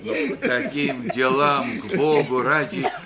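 An actor playing a soft-spoken, earnest elderly grandfather in a radio play. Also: medium pitch, steady tone, a little slow, over a noisy crowd, close to an everyday voice. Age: older. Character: elderly quiet pious grandfather.

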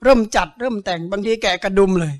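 A man's voice: sits high, fast. A Buddhist monk giving a sermon, telling stories, acting out the people in them and putting questions to his listeners. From Thailand. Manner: storytelling, acts out quoted people, asks listeners questions.

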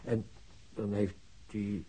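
A man's voice: fairly low pitch, little pitch movement, slow pace, dark tone, husky, exaggerated voice, low-quality recording. An actor playing an old working-class father, plain-spoken, weary and loyal to his son, in a naturalistic radio drama. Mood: cooperative, slightly proud. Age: older.

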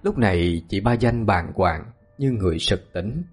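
A man narrating a ghost story in a measured, hushed way. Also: deep voice, animated, music in the background.

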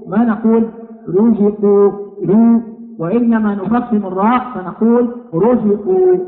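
High-voiced man teaching over tinny echo. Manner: slow, deliberate explaining, repeating key phrases and demonstrating pronunciations. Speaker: Quran recitation teacher. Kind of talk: recorded tajweed lesson. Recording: echoey hall over a tinny phone-like line.

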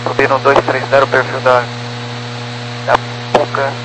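A man's voice: mid-range voice, completely flat delivery, a little slow. A Brazilian man speaking as an airline pilot in clipped radio phraseology over a crackly, military-sounding aviation radio. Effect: crackly aviation radio transmission. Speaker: airline pilot radioing air traffic control. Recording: noisy, humming air-band radio transmission.

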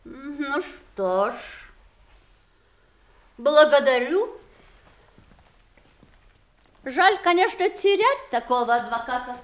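A proud wife at her dying husband's side, in a high-pitched voice. She is bitter and coldly ironic, pressing each point in the theatrical manner of Soviet audio drama. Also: animated, takes it slowly, long pauses. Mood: bitter reproach.

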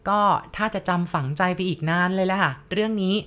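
A woman's voice: lowish voice, a little fast. A woman narrating listener-sent ghost stories, polite and talking straight to her audience. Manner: polite, addresses listeners directly.

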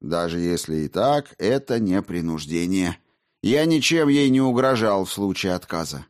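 A man's voice: low-pitched, normal speed. A man voicing a cocky, defiant schemer who brushes off accusations, in a storybook reading. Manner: indignant, then calm and dismissive.

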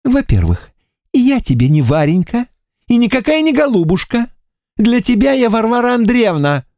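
A man's voice: very high voice, big pitch swings, normal speed, a little mellow, dry recording, clean studio sound, pitched above the performer's own voice. A man voicing a stern young woman police lieutenant who scolds and gives orders in an audiobook. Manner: bossy, scolding, commanding.

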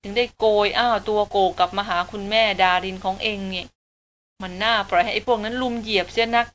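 A woman's voice: medium pitch, fairly even intonation, fast talker, fairly bright tone, slight background noise, close to an everyday voice. A woman voicing a coarse, mocking young hunter. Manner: scolding, sarcastic delivery.

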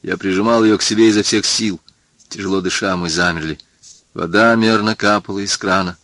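Low-voiced man narrating an audiobook. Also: steady tone, brisk, a bit bright, no echo.

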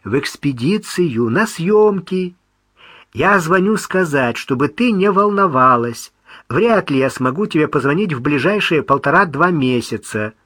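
A man's voice: on the high side, expressive, a little slow, fairly bright tone, no echo, clean studio sound, voice pushed up. A man voicing a young man talking to his mother on the phone, affectionate and a little ironic. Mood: ironic, soothing.

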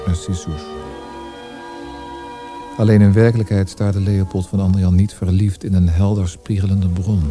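Low-voiced, reserved young writer. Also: male voice. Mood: wry, measured. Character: earnest young Viennese writer, reserved and formal. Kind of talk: Dutch radio drama acting.

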